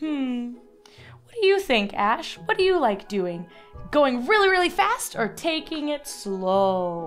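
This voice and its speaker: Over music in the background, a woman speaks very slowly in an upbeat tone, her high voice making very wide pitch swings. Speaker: host and story reader. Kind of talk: children's story reading. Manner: upbeat, friendly.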